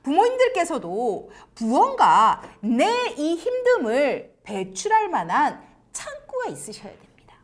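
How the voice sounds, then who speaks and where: A woman hosting an education show and giving advice to parents. She acts out the quoted lines and drops to near-whispers for emphasis. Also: high voice. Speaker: education commentator and host. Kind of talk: lecture-style advice to parents.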